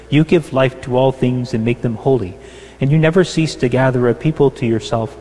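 A man celebrating Mass as a priest, reading set prayers in a measured, solemn way and chanting parts of them, with a long cathedral echo behind his voice. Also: mid-range voice, a little mellow. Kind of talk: liturgical prayer, partly chanted. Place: large church. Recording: long church reverb.

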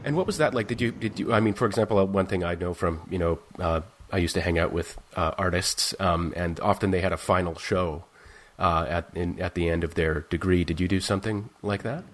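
A man hosting a podcast interview, asking questions in a measured way with frequent filler sounds. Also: sits low. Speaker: podcast host.

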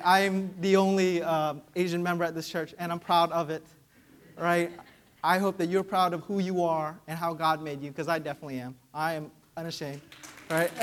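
A young man with Vietnamese as his first language, preaching a sermon in a conversational way and often asking "right?". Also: a little high. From Vietnamese American, raised in Georgia. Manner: conversational, frequent "right?" tag questions.

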